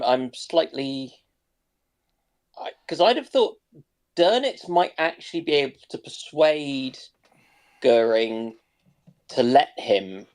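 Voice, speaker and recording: A man's voice: a little high, a little mellow. A man in a casual panel discussion, speaking tentatively and feeling his way into each point. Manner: hesitant, tentative.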